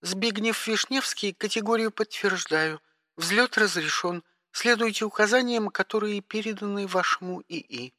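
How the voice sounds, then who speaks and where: A man's voice: sits high, a little slow, bright, forceful tone, dry recording, voice pushed up. A man voicing a prim, formal female spaceport dispatcher who speaks with icy courtesy. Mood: officious.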